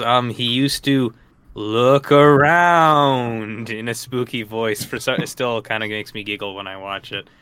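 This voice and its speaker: A man co-hosting a relaxed podcast conversation, chatty and laughing easily. His voice is bright and smooth, with a clear, ringing tone. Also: mid-range voice. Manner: chatty, laughs often, many fillers. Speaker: podcast co-host. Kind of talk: casual podcast chat.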